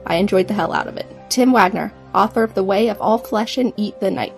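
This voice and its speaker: A woman narrates a horror book trailer in a measured, promotional read. Her voice has a creaky edge. Faint music plays behind her. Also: medium pitch.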